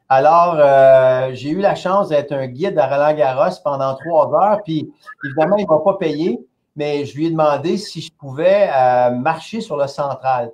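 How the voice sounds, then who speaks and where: Interview guest, Québécois man in his 50s, lively storyteller, a bit high-pitched. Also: highs cut off. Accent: Québécois French. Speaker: company president, interview guest. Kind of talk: casual anecdote telling.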